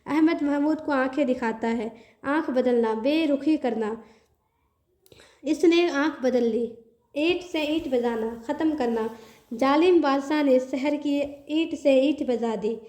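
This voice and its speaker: High-voiced woman teaching grammar. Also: slow pace, darkish tone. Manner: reads word lists aloud, explains in a chatty aside; mixes English words into explanations. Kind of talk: online grammar lesson.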